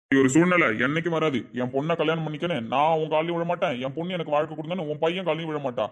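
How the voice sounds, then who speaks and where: A man's voice: fairly high pitch, steady tone, very fast, natural voice. A man playing a middle-aged father who defends his daughter with emphatic, indignant speech in a family drama. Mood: angry. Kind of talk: amateur family drama acting.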